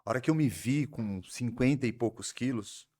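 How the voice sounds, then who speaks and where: Em entrevista a um podcast, um psicanalista de voz média e timbre escuro relembra, de forma sincera e pensativa, como se recuperou. Fala com sotaque do interior de São Paulo, pausando com frequência e retomando as frases várias vezes.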